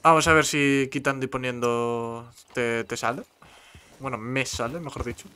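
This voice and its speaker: A man's voice: mid-range voice, smooth. A young Spanish man with a Madrid accent, chatting casually on a headset mic while streaming a co-op game, with many fillers and restarts. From Spain. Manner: relaxed, halting, with frequent fillers. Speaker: gameplay streamer. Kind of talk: casual co-op gaming chat.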